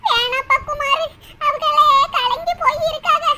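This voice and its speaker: An actor voicing a grieving old village mother who speaks in slow, tearful laments in a cartoon. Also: extremely high pitch, fairly even intonation. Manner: slow mournful pleading. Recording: loud hiss under the voice.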